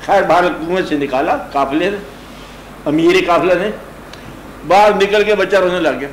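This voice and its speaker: This high-pitched man, a spiritual teacher, addresses a gathering amid slight background noise and the faint ambience of an echoey room. Retelling a story in a conversational religious discourse, he frequently checks whether his audience understands.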